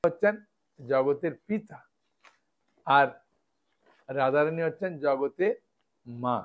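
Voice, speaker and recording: A man's voice: on the high side, animated, takes it slowly. A man, a monk preacher, giving a devotional lecture and explaining step by step, often checking with his listeners.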